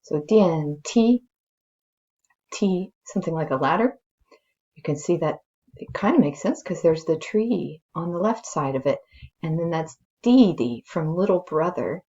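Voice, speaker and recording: Low-pitched woman teacher, unhurried and informal. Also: expressive, dark tone, muffled recording. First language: English. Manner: explanatory, informal, thinking aloud. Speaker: language teacher. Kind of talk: slow dramatic story read-aloud, then casual lesson commentary.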